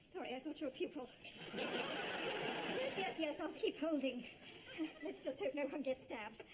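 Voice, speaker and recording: A woman's voice: high-pitched, expressive, measured pace, a loud crowd, very noisy. An actress playing a twittery, flustered female music teacher who lives in her own fantasies.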